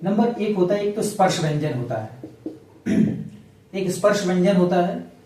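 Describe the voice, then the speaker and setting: A man teaching a Hindi grammar lesson to students. He repeats the key points slowly so they stick. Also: high-pitched, lively intonation, dark tone, echoey room, recorded from a distance.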